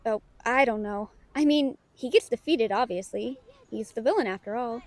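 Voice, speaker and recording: Woman acting a high-voiced, chatty novelist. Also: normal speed, no echo. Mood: casual, amused. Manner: chatty, hesitant, informal. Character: friendly, casual young female novelist, easily unnerved. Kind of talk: naturalistic audio roleplay acting.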